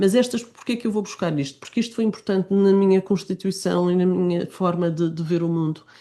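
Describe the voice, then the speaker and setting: A woman's fairly low voice, dark and mellow in tone, with ordinary pitch variation over a quiet background. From Madeira, Jardim do Mar. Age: 50s. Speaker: local election candidate, teacher. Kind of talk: political debate.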